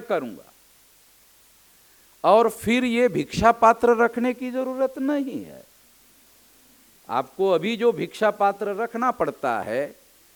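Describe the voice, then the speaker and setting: This man's voice sits high in pitch, with lively intonation, big swings in loudness, and long, frequent pauses. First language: Marathi (speaking Hindi). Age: 60s. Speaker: social movement leader. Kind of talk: public speech.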